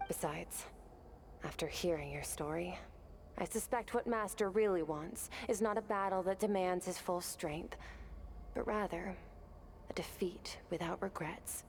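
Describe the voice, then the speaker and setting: A cool-headed young warrior woman from a fantasy game. Her voice sits on the low side, composed and serious, with deliberate phrasing. There is faint noise behind her. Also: a little mellow. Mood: resolute, thoughtful. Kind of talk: scripted video game voice acting.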